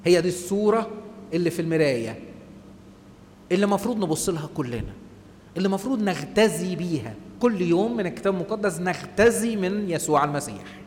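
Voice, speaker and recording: A man with an Egyptian Arabic accent giving an animated church talk to a group, acting out the voices people use on themselves. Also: high-pitched, fast talker, big-room sound, slight background noise. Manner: animated, acts out inner voices. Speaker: church speaker.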